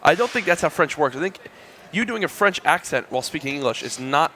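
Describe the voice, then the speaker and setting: A man's voice: on the high side, expressive, a little fast, bright, forceful tone, slight background noise. A male esports commentator trading easygoing jokes with his co-caster while they wait for a match. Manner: joking, easygoing banter. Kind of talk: casual caster banter between matches.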